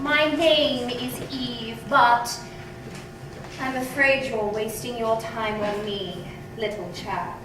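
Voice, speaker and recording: A woman with a posh English accent playing a cool, well-spoken, aloof young woman. She speaks in a slow, detached and polite way. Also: fairly high pitch, steady tone. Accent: posh English, Received Pronunciation. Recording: echoey distant stage recording with background noise.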